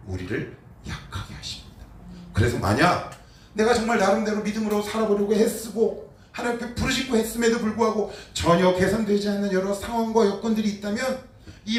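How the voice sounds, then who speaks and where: A man preaching a sermon as pastor, putting rhetorical questions to the congregation with emphatic, rising delivery. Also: high voice. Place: church sanctuary. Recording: echoey church hall, distant mic, faint noise.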